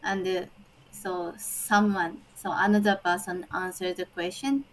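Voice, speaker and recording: Slow, halting Japanese-accented woman. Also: on the low side, steady tone, low-quality recording. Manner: hesitant, halting English. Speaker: Japanese teacher practicing English. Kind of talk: casual learner conversation.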